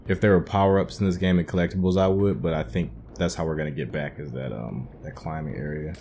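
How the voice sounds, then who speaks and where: A man's voice: very deep voice, fast talker, creaky, dark tone, a little hiss or hum. A man hosting a gaming playthrough, commenting casually and informally as he thinks aloud and explains things. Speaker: gaming video host.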